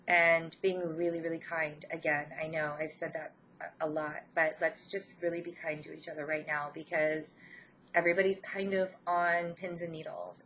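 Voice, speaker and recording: A woman with a fairly low voice, touched by a head cold, speaks as a tarot reader addressing her viewers. Her delivery is gentle and encouraging, informal, with halting pauses inside her phrases. A faint layer of background noise sits under the voice. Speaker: spiritual tarot reader and channel host. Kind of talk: informal spiritual card reading to viewers.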